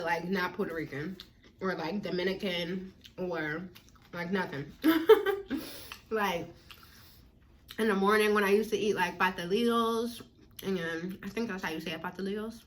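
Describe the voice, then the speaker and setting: A woman's voice: medium pitch, slight background noise. American woman chatting casually while chewing food. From northern United States. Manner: chewing while talking, with pauses to eat. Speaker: mukbang host. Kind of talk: casual chat to viewers while eating.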